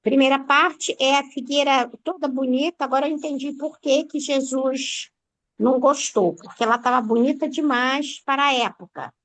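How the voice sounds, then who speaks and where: A woman, a church member in a Bible study, speaks hesitantly and haltingly, searching for words as she explains her understanding. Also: sits high, a bit bright, no echo, low-quality recording. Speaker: church member asking a question.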